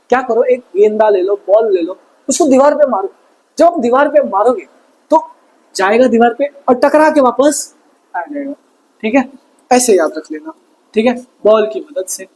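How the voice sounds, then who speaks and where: A man's voice: very high voice, a little mellow, low-quality recording. Joking Indian teacher quizzing his students. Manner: joking, calls himself bhaiya, keeps asking students questions. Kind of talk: exam revision lesson.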